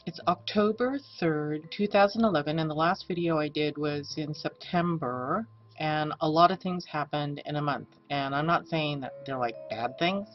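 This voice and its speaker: A woman's voice: low-pitched, moderate pace, hardly any pauses. A woman in her fifties, an astrologer, chatting through a rambling personal update with many fillers. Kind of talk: casual personal vlog update. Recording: dull lo-fi webcam audio, faint music.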